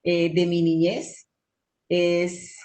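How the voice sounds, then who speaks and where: Slow-speaking woman from Chocó. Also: on the low side, completely flat delivery. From Chocó, Colombia. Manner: warm, unhurried storytelling with many "eh" pauses. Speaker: dancer and teacher. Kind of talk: panel talk, personal memories.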